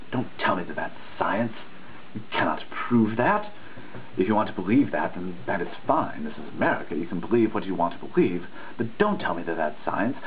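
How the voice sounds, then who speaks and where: A man giving a dramatic reading of a written text, earnest and emphatic in a preachy way, now and then stumbling over a word. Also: on the low side. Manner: earnest, emphatic, preachy delivery with occasional misreadings. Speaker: reader of a dissertation. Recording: tinny phone-like sound with faint noise.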